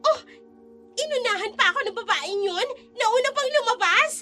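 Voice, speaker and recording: A woman's voice: very high voice, lively intonation, moderate pace, over music. A woman voicing a fearful, whiny teenage schoolgirl in a spoken horror story. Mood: scared. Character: timid, easily scared teenage schoolgirl.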